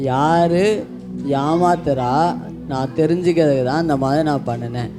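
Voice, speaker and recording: A man's voice: a little high, normal speed, natural voice. A stern but fair office boss, played by a man speaks firmly in a slightly raised voice, with music behind him. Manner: firm, then teaching the children. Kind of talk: puppet show acting.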